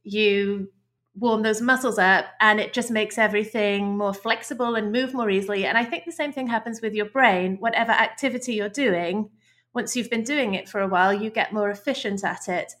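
A woman's voice: mid-range voice, moderate pace, fairly bright tone. A woman, a podcast guest explaining her ideas in a thoughtful, chatty way, often restarting phrases. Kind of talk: podcast interview.

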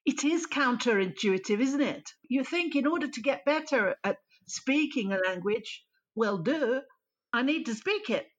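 A woman's voice: a little high, animated, a little slow. A woman language teacher answering interview questions in a thoughtful, explanatory way. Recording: muffled lo-fi line.

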